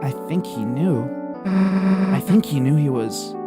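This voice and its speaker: A man voicing a brash, rough-talking monster girl from a game, blunt and swearing. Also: mid-range voice, lively intonation, over music, voice pushed up, close to an everyday voice. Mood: gruff, puzzled. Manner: blunt, swears, slow gruff delivery. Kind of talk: voicing game dialogue on stream.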